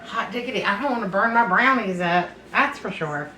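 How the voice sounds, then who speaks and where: A woman's voice: medium pitch, lively intonation, a little fast, pushed and bright. A middle-aged or older woman chatting casually and folksily to viewers as she bakes at home, rambling through anecdotes and repeating herself. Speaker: home baking video host. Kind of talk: casual rambling chat to viewers while cooking. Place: indoors, home kitchen. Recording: echoey room, distant mic, faint noise.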